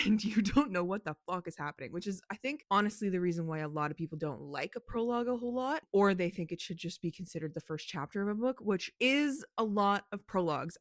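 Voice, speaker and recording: A woman vlogging about books and her writing in a casual, animated way, laughing and swearing often, her voice a little hoarse. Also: mid-range voice, no echo, studio quality. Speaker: book vlogger and author. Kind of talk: casual chatty vlog.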